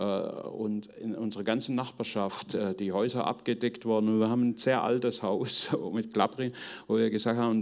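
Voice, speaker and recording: A middle-aged man teaching a group in an informal sermon, earnest and conversational, often halting as he searches for words. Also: lowish voice, vocal fry. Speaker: preacher teaching on spiritual gifts.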